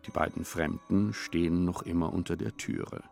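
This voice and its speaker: Gravelly low-voiced male storyteller. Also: fairly even intonation, a little mellow, soft background music. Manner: measured, descriptive storytelling. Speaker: narrator. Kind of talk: scripted story narration.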